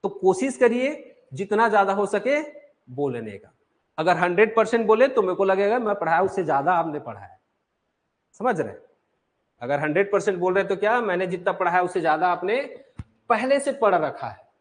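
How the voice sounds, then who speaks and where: A man's voice: high voice, lively intonation, normal speed. A man teaching an online exam-prep class, explaining step by step, asking questions and answering them himself, with mixed into his talk.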